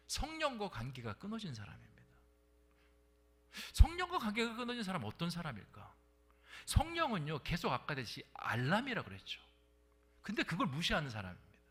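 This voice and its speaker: Animated Korean pastor preaching. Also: male voice, high-pitched. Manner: dynamic preaching, drops to a whisper for emphasis; asks the congregation questions. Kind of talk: sermon at a Friday prayer meeting. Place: church sanctuary.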